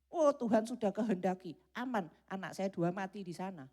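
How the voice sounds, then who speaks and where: A middle-aged woman preaching a sermon in church, lively and acting out prayers and little dialogues in changing voices. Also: medium pitch, normal speed.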